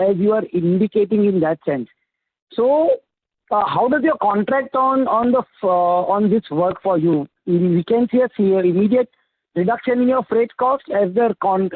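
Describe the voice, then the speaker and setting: A man with an Indian accent asking questions as an analyst on an earnings call, halting and often rephrasing himself. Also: high voice, slightly rough, dry recording. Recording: narrowband phone line.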